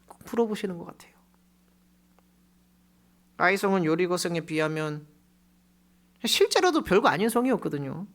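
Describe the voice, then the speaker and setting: A pastor preaching a sermon in a church. The delivery is storytelling, with bursts of loud emphasis. Phrase endings sink into quiet, low murmurs. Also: sing-song, normal speed, long pauses. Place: church sanctuary.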